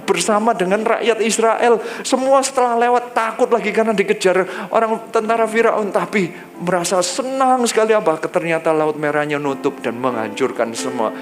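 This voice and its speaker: A male pastor, telling a personal testimony in a sermon, lively and drawn-out when he quotes. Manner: lively storytelling, drops low and slow when quoting God.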